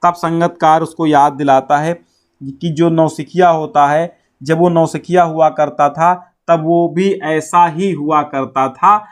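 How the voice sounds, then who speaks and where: A man's voice: a little high, fairly even intonation, takes it slowly. A man teaching in an explanatory classroom style, reading out phrases, then repeating and rephrasing them didactically. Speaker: Hindi teacher. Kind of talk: explanatory classroom lesson, reading and paraphrasing a poem.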